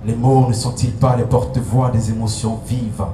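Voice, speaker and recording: A man reciting slam poetry in a flat, declamatory delivery. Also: mid-range voice, moderate pace. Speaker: slam poet on stage. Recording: echoey live stage sound with noise.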